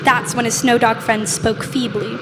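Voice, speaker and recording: Behind loud noise, a young woman in her teens narrates a scripted radio play. Her voice is on the high side, and she tells the story deliberately. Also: flat delivery. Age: teenager. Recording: very noisy live stage recording.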